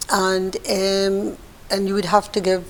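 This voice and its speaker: A woman with a Scottish accent, medium pitch, fairly slow pace. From Lossiemouth, Scotland. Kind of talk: oral history interview.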